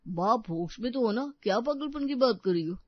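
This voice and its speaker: A woman's voice: on the high side, expressive, brisk, dry recording. A woman voicing an exasperated young husband in a cartoon story, who protests in disbelief. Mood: protesting. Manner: protesting, incredulous. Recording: dull dry studio audio.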